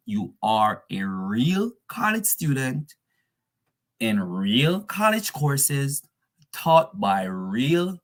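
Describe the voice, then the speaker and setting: A man's voice: on the low side, bright, forceful tone. A man presenting information to students in a casual, repetitive way, addressing them as "guys". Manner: casual, addresses listeners as "guys", fillers and restarts. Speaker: dual enrollment presenter.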